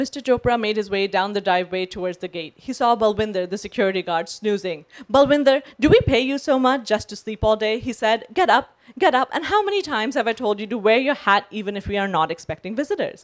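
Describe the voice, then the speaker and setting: Very fast, lively speech from a woman at a fairly high pitch, hardly any pauses, quiet background. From India, New Delhi. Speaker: novelist. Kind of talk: reading aloud; panel discussion. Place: shop. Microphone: handheld.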